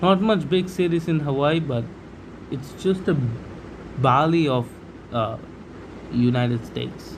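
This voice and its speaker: Amid noticeable background noise and audible room echo, a man with a fairly high pitch speaks at a fairly slow pace with ordinary pitch variation and long, frequent pauses. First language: not English. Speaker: YouTuber. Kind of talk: casual ranking commentary. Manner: hesitant, many fillers.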